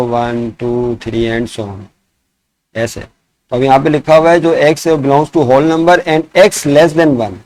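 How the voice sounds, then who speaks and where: A man teaching a math lesson. He asks his students questions and answers them himself, and he slows down to dictate each problem word by word. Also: fairly high pitch, a little mellow. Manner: mixes in English math terms. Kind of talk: classroom lesson explaining sets.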